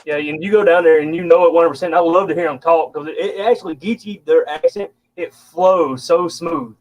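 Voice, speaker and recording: A man's voice: a little high, fairly quick. A man with a Southern accent from upstate South Carolina, telling stories in easygoing casual chat. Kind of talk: casual storytelling. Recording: dull lo-fi sound.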